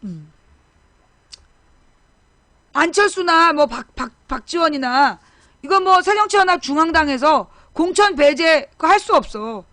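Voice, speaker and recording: A middle-aged woman with a high, bright voice holds forth in a casual live-stream chat. She rambles, corrects herself mid-sentence, and speaks straight to her viewers. The close mic sounds dry, with no room around it. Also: expressive, unhurried, long pauses, no room sound. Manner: rambling, self-correcting, talks directly to viewers. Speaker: political talk show host.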